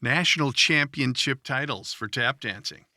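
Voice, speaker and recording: A man's voice: medium pitch, moderate pace, pushed and bright, no echo, studio quality. A man hosting a podcast, talking casually with a joking, teasing manner. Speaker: podcast host. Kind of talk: casual interview banter and ad reads.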